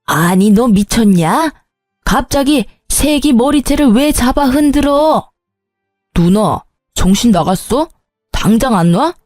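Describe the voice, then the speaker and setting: A woman's voice: fairly high pitch, animated, slow, a little mellow, no echo, faint music behind. A woman voicing an angry grown husband confronting his older sister. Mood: furious. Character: angry grown man, the husband, younger brother.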